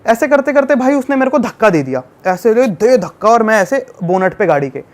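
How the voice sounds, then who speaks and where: Young male podcast guest, high-pitched, lively storyteller who acts out scenes. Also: a little fast. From Delhi, India. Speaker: travel YouTuber guest.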